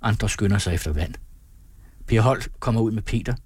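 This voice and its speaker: A man reading a novel aloud as an audiobook narrator, calm and measured in his storytelling. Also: lowish voice, breathy edge, no room sound. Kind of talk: scripted narration.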